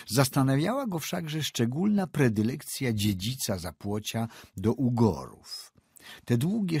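A man reading a classic novella as an audiobook, expressive and measured. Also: fairly low pitch, slightly rough, dry recording, clean studio sound. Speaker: audiobook narrator. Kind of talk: scripted narration of a classic novella.

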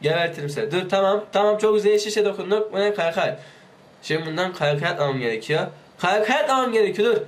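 A man giving let's play commentary, excitable, pleading with and yelling at his game character while sick, his voice liable to give out. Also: high-pitched, quick pace. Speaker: gaming YouTuber.

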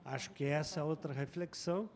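An older man on a handheld microphone in a large auditorium, making measured points as a consumer council representative at a public meeting. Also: a little high, slight background noise. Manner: deliberate, measured questioning. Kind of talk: formal public meeting remarks.

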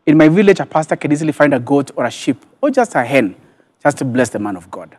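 A man's voice: medium pitch, sing-song, fast, darkish tone. A man in his thirties with a Kenyan accent, hosting a television interview. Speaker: talk show host. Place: television studio. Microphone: lapel mic.

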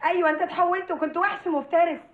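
A woman's voice: very high-pitched, very fast. An actress with an Egyptian accent playing a scheming young woman who gives orders dramatically. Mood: outraged. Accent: Egyptian Arabic. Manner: commanding, dramatic. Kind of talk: comedy film acting. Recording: tinny film audio with room echo.

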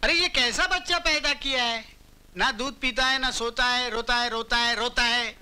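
An actor playing a rough, bossy male kidnapper in a comedy film, mocking and impatient. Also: very high voice, moderate pace, background noise. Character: brash bullying male kidnapper. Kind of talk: 1990s Hindi film comedy acting.

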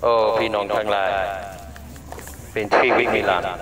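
A man's voice: lowish voice, steady tone, normal speed, background noise. Man preaching on the street, echoey. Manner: repetitive, earnest, polite sentence endings. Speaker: street evangelist. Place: outdoor night market. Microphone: body-worn camera.

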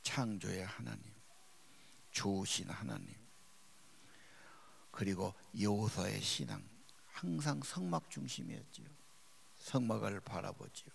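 A male pastor preaching a sermon, with emphatic rises and drops in loudness. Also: on the low side, measured pace, gravelly, pauses often, slight background noise. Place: church sanctuary.

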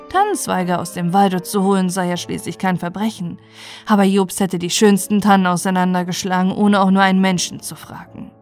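A woman storyteller narrating a bedtime story in a calm, gentle way. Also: medium pitch.

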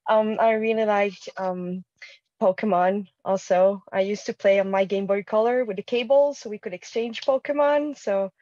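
A woman in her thirties, a guest on a video-call talk show, slightly croaky from a cold, speaking earnestly with frequent ums. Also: medium pitch, steady tone, moderate pace, mellow, no echo. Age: 30s. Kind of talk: casual interview chat. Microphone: webcam mic on video call. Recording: dull lo-fi call audio.

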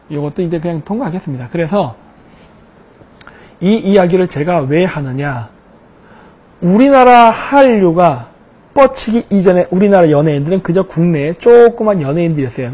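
A man with a high-pitched, mellow, husky voice delivers lecture-style political commentary over slides. He asks rhetorical questions and answers them himself, leaning on emphatic, drawn-out stresses.

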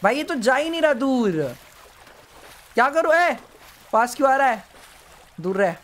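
A man streaming a horror game live, yelping, pleading and hushing as a monster comes near. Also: very high voice, big pitch swings, moderate pace. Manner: jumpy, yelps and pleads with the monster, then hushes to a whisper. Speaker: gaming streamer. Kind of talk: live gameplay commentary.

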